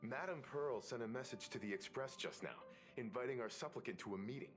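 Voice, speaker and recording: An actor playing a calm, courteous, mature advisor in a video game, measured and articulate. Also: male voice, mid-range voice, music in the background, close to an everyday voice. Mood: informative, courteous.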